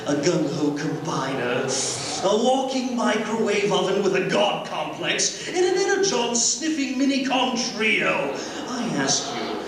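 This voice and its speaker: A sarcastic, world-weary robot warlord drawls theatrically in a high-pitched voice that swoops up and down. He performs a villain's part in a live dramatic reading, heard in a very echoey hall. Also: very animated, measured pace, heavily acted. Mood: exasperated. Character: weary, sardonic villainous male robot general. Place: live convention stage in a hall. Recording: echoey hall, distant, clearly noisy.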